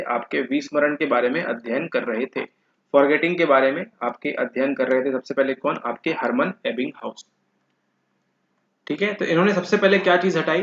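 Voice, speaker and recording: A man's voice: mid-range voice, fairly bright tone. A man giving an exam-prep lecture, asking the class questions and answering them himself. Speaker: teacher. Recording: echoey room, dull lo-fi sound.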